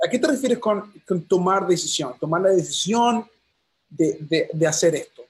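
A man with a high, husky voice conducts an interview, asking questions with many fillers. He sounds encouraging and friendly. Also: lively intonation, moderate pace.

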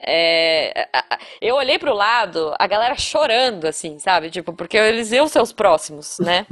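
A Brazilian woman from the São Paulo area, hosting a casual podcast chat and telling a story with lively acted-out quotes. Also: medium pitch, normal speed. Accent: Brazilian Portuguese, São Paulo area. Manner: animated storyteller acting out quotes. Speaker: podcast host.

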